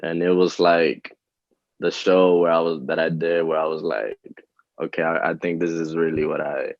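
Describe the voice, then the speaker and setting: A man in his twenties from the Dominican Republic, a rapper answering interview questions in a relaxed, hesitant way with many fillers. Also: low-pitched, moderate pace, creaky, no room sound. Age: 20s. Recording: dull, lo-fi, dry sound.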